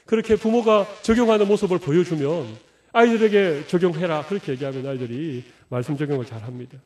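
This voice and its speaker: A man's voice: on the high side, fast talker, darkish tone. A middle-aged man preaching a sermon as pastor, conversational and humorous, acting out little quotes of everyday talk.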